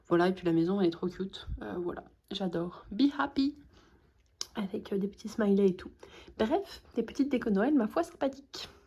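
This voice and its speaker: A woman speaks at a moderate pace and medium pitch, with lively intonation and long, frequent pauses. Her tone is dark, mellow and somewhat breathy, and her loudness swings widely. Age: 20s. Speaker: student vlogger. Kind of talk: vlog monologue. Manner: casual, frequent hesitations.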